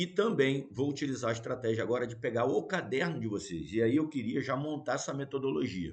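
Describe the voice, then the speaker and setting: A man with vocal fry talks with lively intonation and hardly any pauses. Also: medium pitch for a man, fairly quick pace. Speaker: law professor and notary. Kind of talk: recorded online lecture. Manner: fast.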